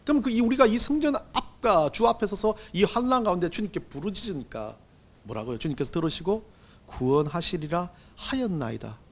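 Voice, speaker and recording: A middle-aged man preaching a Sunday sermon as pastor, swinging between loud and hushed delivery. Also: sits high, expressive, brisk. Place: church sanctuary.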